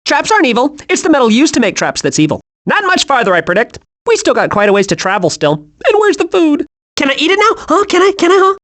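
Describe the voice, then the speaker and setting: Playing a young male squirrel in an animated game, the actor goes very high-pitched and talks fast, heavily acted. The character comes across hyper, eager, cheerful and scatterbrained, with a childlike delivery.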